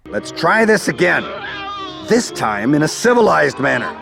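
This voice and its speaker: Gravelly, wildly swooping cartoon horse doctor. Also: male voice, a little high, sing-song, measured pace, heavily acted. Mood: brisk, bossy. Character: gruff male cartoon horse posing as a doctor. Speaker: cartoon character. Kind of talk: cartoon voice acting. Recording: cartoon clip with music.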